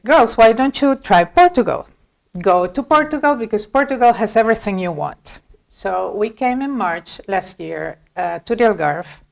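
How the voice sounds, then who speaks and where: A middle-aged Venezuelan woman with a fairly low voice and vocal fry is a guest in a conversational interview. She gives long, reflective answers full of hesitations.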